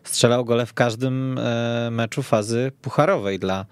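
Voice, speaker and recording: A man's voice: mid-range voice, fairly even intonation, a little slow, clean tone, no room sound. A man speaking as a panelist in a casual sports discussion, recorded in a radio studio. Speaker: football podcast panelist.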